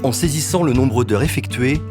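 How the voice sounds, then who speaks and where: A man delivers scripted voice-over narration in the manner of documentaries and adverts. His voice sits over a clearly audible bed of music. The reading is prepared and presentational, as a professional voice artist would give it. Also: mid-range voice, moderate pace.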